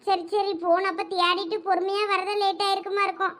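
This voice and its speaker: Figure: an actor doing a fretful high-voiced village mother. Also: little pitch movement, fairly quick, sharp tone. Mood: relieved. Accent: Thoothukudi Tamil. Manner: worried, lamenting.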